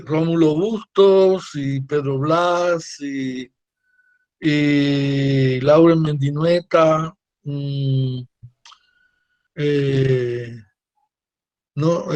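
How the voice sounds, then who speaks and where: Guy on a zoom chat, slow and halting, lots of ums, dry sound. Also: on the high side, darkish tone, no room sound. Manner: slow, hesitant, many fillers. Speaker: writer guest. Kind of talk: casual video-call chat. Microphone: video call.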